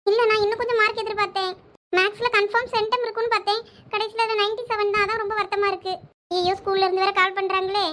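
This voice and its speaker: A woman with a Thoothukudi Tamil accent performs a village comedy skit in an extremely high, piping voice. She frets and worries melodramatically, loading each line with drama. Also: level tone, fast talker, fairly bright tone. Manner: fretful, melodramatic worrying. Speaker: comedy sketch creator playing several villagers.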